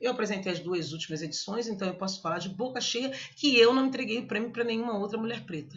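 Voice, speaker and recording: A woman speaks at a fairly high pitch and a very fast pace with lively intonation. Noticeable background noise and audible room echo fill the recording. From Rio de Janeiro, Brazil. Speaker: actress. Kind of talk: webinar talk.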